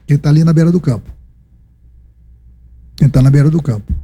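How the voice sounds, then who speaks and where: A man with a Brazilian accent fields reporters' questions as a football coach. His voice is husky and mellow, sitting slightly high. He is emphatic, repeating his phrases and firing off rhetorical questions. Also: fairly quick. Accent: Brazilian Portuguese. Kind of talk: post-match press conference answers.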